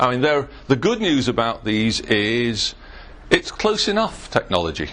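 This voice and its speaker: A man speaks with a British accent. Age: 60s. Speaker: engineer giving a talk. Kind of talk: lecture. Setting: room with audience. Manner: halting, many fillers.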